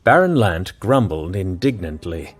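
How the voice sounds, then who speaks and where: A man narrating an audio drama in a measured storytelling manner. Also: low-pitched, big pitch swings, soft background music.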